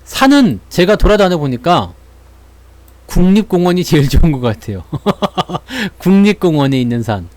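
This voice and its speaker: A man's voice: sits high, very animated, normal speed, darkish tone. A man hosting a stock market channel, talking in a casual, playful way and acting out little voices as he chats. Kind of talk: casual chat.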